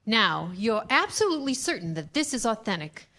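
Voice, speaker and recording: Woman playing an imperious, sharp-voiced studio boss. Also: on the high side, big pitch swings, moderate pace, full character voice. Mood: curt, demanding. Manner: sharp, commanding. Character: imperious, impatient female film studio boss. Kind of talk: staged screenplay reading.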